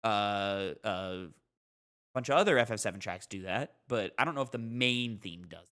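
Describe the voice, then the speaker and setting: A man's voice: on the low side, moderate pace, fairly bright tone, clean tone. A man co-hosting a casual gaming podcast, talking emphatically and argumentatively and often repeating himself to make a point. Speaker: podcast co-host.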